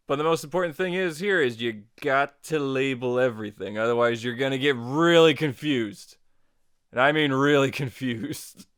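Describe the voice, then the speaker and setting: A man hosting a software tutorial, narrating casually in a playful, chatty, wry way. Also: medium pitch, clean tone, no echo, clean studio sound. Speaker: tutorial host.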